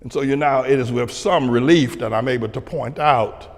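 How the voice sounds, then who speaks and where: An older man from North Carolina with a Southern accent, a pastor preaching commentary, dropping to quiet asides and then rising to shouted declarations with chuckles between. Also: moderate pace. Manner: swings from low asides to shouted outbursts, chuckling. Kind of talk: preaching commentary to a broadcast audience. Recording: long hall reverb.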